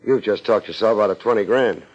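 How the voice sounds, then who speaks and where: Low-voiced wry radio private eye. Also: male voice, brisk, slightly rough. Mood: wry, calm. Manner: deadpan, wisecracking. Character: laid-back, wry hard-boiled male private investigator. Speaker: lead actor, narrating and playing the detective. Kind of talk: 1950s radio detective acting. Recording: muffled 1950s radio transcription.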